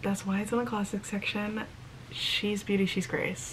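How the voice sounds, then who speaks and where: The speaker is a woman. There is noticeable background noise behind her voice. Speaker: book vlogger. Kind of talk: reading aloud; casual vlog chat. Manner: bright, even, storybook-style reading of a back-cover blurb; animated, excitable. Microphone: phone near.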